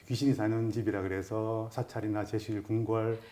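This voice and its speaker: A man's voice: on the low side, flat delivery, normal speed, mellow. A middle-aged man, a master carpenter, explaining in an interview with many filler words.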